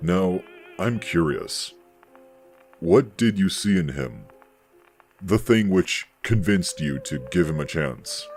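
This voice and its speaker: A man puts on a character voice, pitched very deep and low, at a fairly slow pace. Faint music plays in the background. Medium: audio drama. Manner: formal, polite.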